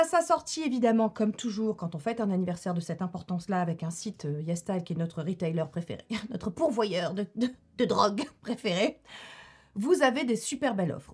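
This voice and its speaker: A woman, chatting casually to camera about her favourite beauty products and laughing often. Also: fairly high pitch. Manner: chatty, laughs often, repeats herself for effect. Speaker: beauty YouTuber.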